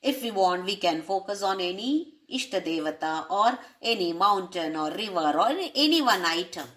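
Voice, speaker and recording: A woman's voice: mid-range voice, animated, moderate pace, fairly bright tone. A woman explaining a spiritual text, posing rhetorical questions and using Sanskrit terms. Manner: asks rhetorical questions to listeners. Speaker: spiritual teacher.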